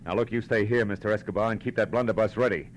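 An actor playing a tough, brusque American private detective in an old radio drama, clipped and wry. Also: male voice, fairly low pitch, quick pace, slight background noise, natural voice. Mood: wary, commanding. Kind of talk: 1940s American radio drama, narration and dialogue.

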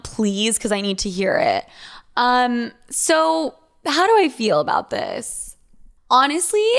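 A young American woman talks in a Valley girl voice at an ordinary female pitch. She hosts a casual advice show, speaking bluntly and swearing freely. Her sentences are loose and chatty, peppered with "like". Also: fairly bright tone, clean tone. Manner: Valley girl drawl with frequent "like". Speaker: podcast host giving listener advice. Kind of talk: casual, unfiltered advice talk.

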